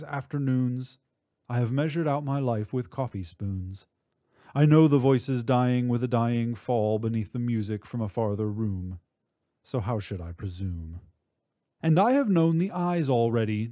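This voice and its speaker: A man giving an expressive, measured recitation of literary poetry, drawing out words for emphasis. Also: medium pitch, no echo, studio quality. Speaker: poetry reader.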